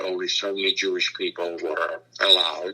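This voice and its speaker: A man with a Polish accent speaks against noticeable background noise. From Poland. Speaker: Holocaust survivor. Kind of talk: testimony. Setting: radio interview. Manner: halting.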